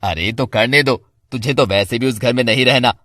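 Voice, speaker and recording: Male voice as a blunt family father, mid pitch, dry close sound. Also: normal speed, bright, forceful tone, no echo, lightly acted. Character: firm older father, calm and blunt. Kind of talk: Hindi family drama voice acting.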